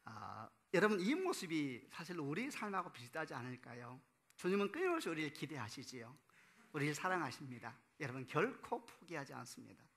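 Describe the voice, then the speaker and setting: Bright-voiced Korean pastor preaching. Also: male voice, fairly high pitch, very animated, a little fast. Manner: conversational storytelling with rhetorical questions to the congregation; laughs at his own stories. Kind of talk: sermon. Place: church sanctuary.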